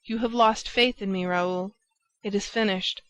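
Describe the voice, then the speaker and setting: A woman's voice: mid-range voice, fairly even intonation, unhurried, no echo, close to an everyday voice. A grave, sorrowful young woman, read by a woman. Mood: despairing. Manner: soft, despairing.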